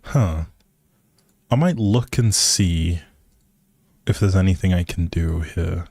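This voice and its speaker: While live streaming gameplay, this man talks casually and politely with his audience, thinking out loud in a relaxed way. He has a deep, slightly mellow voice, speaks slowly, and there is no room sound.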